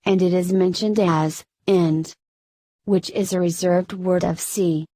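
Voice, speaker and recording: Woman tutor, low-pitched and mellow, flat machine-like read, dry booth sound. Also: slow pace, no echo. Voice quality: flat, synthetic-sounding delivery. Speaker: programming tutor. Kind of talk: scripted tutorial narration.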